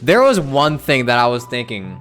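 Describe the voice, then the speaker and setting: A streamer gives relaxed, off-the-cuff game commentary. The pitch moves around a lot as they think aloud and react. Faint music plays behind. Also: moderate pace.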